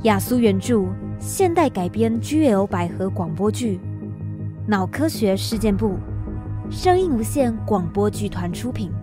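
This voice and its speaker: A woman's voice: medium pitch, animated, unhurried. A woman announcer reading a scripted drama title announcement. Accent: Taiwanese. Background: music.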